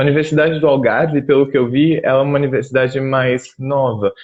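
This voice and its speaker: Talking at a fairly quick pace, a man with a Brazilian accent keeps a medium pitch and fairly even intonation. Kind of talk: interview. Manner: casual, filler-heavy.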